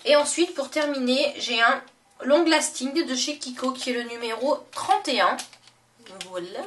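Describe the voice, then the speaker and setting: A young woman with a fairly high voice gushes over her beauty products in a relaxed, chatty vlog. She trails into fillers and corrects herself often. Her voice sounds a little distant from the camera mic. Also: a little hiss or hum. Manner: chatty and gushing, many fillers and self-corrections. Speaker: beauty vlogger. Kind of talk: casual makeup haul vlog.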